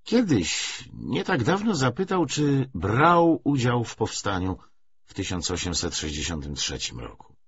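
A man reading literary prose aloud as an audiobook narrator, with a husky voice. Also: mid-range voice, very animated, measured pace, lo-fi sound.

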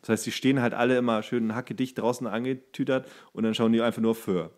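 A man's voice: mid-range voice, steady tone, quick pace, a little mellow. A man co-hosting a podcast, chatting loosely with slang and jokes. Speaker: podcast co-host. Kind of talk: casual chat. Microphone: studio microphone.

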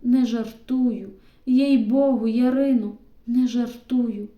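A woman's voice: a little high, slow pace, echoey room, highs cut off. A woman voicing a tender, earnest young Cossack man in an audiobook reading.

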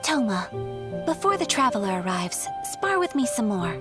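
A refined young noblewoman swordfighter from an anime game. Her voice is fairly high and very melodic, formal and composed, with soft music behind it. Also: big pitch swings, moderate pace. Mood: poised, eager. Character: poised, courteous young noblewoman sword fighter. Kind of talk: anime-style video game character acting.

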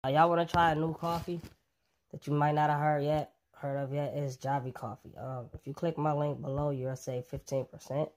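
A fitness vlogger casually pitching a coffee to his viewers, relaxed and chatty, with plenty of ums. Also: moderate pace, slight background noise.

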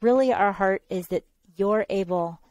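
An enthusiastic woman in her forties hosts a video-call interview, warmly encouraging her guest. Her voice sits at a middle pitch, close to a headset mic in a room at home. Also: moderate pace, dry recording. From California. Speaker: podcast host.

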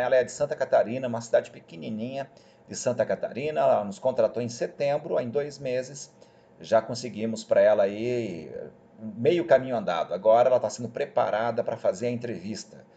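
A man talks to his viewers in a loose, animated way, selling the idea with a chatty push. His voice is mellow and dark. The recording is dull and lo-fi. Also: medium pitch, brisk. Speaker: job placement agency host. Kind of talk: casual screen-recorded talk to viewers.

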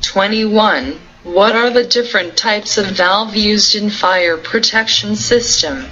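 A woman reading out a numbered list of technical interview questions and answers in a flat, even way. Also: medium pitch, slow, dull audio.

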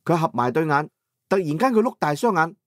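Higher-pitched Cantonese male storyteller. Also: big pitch swings, brisk, dry recording, clean studio sound. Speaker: audiobook narrator. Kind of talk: first-person dramatic storytelling.

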